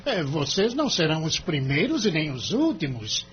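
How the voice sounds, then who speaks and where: A man's voice: fairly high pitch, huge pitch swings, moderate pace, muffled recording, slight background noise. A man playing a tactless, mocking and greedy lawyer who drawls his lines with a sneer. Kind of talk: audio drama acting.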